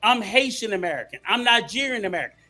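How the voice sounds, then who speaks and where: A man's voice: high voice, expressive, fast talker, pushed and bright, soft background music. A man on a podcast panel debating heatedly, insisting on finishing his point.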